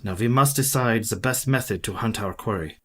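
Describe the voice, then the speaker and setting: An actor playing a learned elderly professor who hunts a vampire, speaking in a formal, lecturing, old-fashioned way in a radio play. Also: male voice, on the low side, brisk, breathy edge. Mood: grave, lecturing. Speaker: mentor leading the hunters. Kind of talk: community radio play acting.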